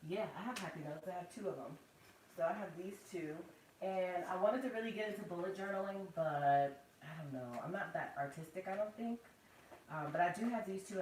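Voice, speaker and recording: A woman hosting a casual planner livestream with a soft, soothing voice, chatty and quick to laugh, speaking. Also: on the low side. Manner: chatty, laughs often, slow and relaxed. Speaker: planner channel host. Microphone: external mic, later removed. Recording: roomy, distant, faint background noise.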